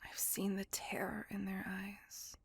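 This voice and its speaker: A woman voicing a brooding, possessive female vampire in a whispered ASMR roleplay, speaking in a soft, breathy, gravelly whisper close to the mic. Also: mid-range voice, monotone, slow pace, dry recording, full character voice. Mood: brooding confessional. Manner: soft confessional whisper throughout.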